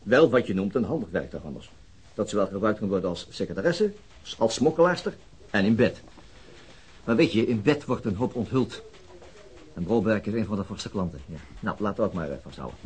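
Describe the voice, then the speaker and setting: An actor playing a probing, dry male police detective in a radio crime drama, musing and wry in a deliberate way. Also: lowish voice, animated, a little mellow, slightly rough, rough recording.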